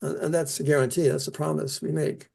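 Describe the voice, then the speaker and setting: Older guy, gravelly dark voice, earnest scholar talking slow and careful. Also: a little high, flat delivery. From Netherlands, raised in New Zealand. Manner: earnest, measured, with restarts. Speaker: Isaiah scholar, keynote speaker. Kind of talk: interview answers.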